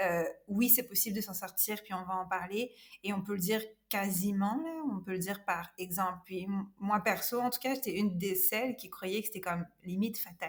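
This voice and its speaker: A woman speaks at a moderate pace and a medium pitch with ordinary pitch variation. Her voice is somewhat breathy. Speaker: podcast co-host. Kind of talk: casual podcast chat. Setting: video call.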